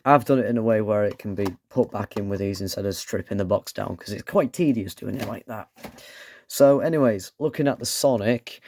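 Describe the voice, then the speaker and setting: Croaky man with a cold. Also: fairly low pitch, darkish tone, no echo. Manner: rambling, sarcastic asides. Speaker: toy reviewer. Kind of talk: casual product review.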